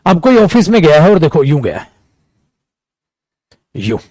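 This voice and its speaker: A man's voice: fairly high pitch, very animated, unhurried, darkish tone, no room sound. A man teaching an online English lesson in a chatty way, calling his students "beta" and acting out examples. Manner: acts out examples.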